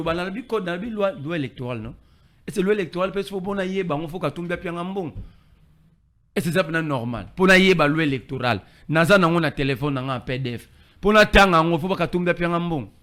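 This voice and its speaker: Animated Congolese man arguing politics. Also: a little high. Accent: Congolese French. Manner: emphatic, code-switching, argumentative. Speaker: political commentator. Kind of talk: animated street political debate.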